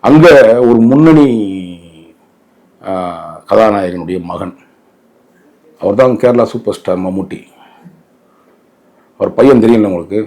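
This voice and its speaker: A man's voice: fairly low pitch, animated, slow, long pauses, dark tone, poor audio. Indignant Tamil Nadu man, emphatic talker. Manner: emphatic, indignant, with rhetorical questions. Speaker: interview guest giving commentary. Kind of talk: opinionated interview talk.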